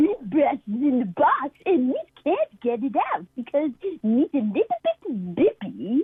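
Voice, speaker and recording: A female-sounding put-on character voice, high in pitch, moves through very wide pitch swings. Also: moderate pace. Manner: geeky, uppity, elitist.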